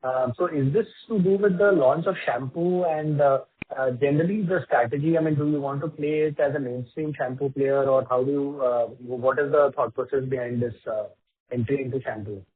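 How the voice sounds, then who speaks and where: Husky man on a phone line. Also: mid-range voice, a little fast. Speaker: financial analyst asking questions. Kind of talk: questioning on an earnings call. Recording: dry, tinny phone line.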